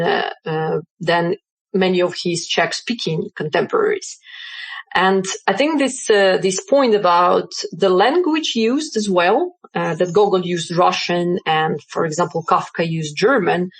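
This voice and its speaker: Low-pitched woman interviewer, Ukrainian native. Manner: measured, hesitant phrasing with fillers. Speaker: interviewer, editor-in-chief. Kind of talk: interview questions.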